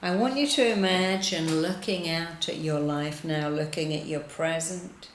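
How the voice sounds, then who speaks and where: Slow, low-voiced woman guiding meditation. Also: reverberant, a little hiss or hum. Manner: soothing, deliberate, repetitive instructions with pauses. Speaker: guided meditation leader, hypnotherapist. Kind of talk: guided meditation narration.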